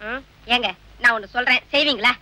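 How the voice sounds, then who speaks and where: A woman's voice: fairly high pitch, fairly quick, pushed and bright, dry recording. A woman as a wife pleading with and nagging her husband in film comedy dialogue. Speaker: wife, mother.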